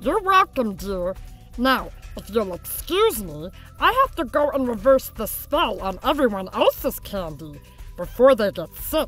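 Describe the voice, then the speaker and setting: A cartoonish character voice with a fairly high pitch talks at a moderate pace over clear music in the background. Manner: warm, soothing, motherly.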